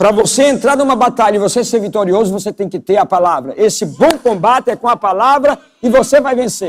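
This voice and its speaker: A man's high-pitched voice with lively intonation, at a fairly quick pace with hardly any pauses. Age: 60s. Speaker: pastor. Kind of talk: sermon.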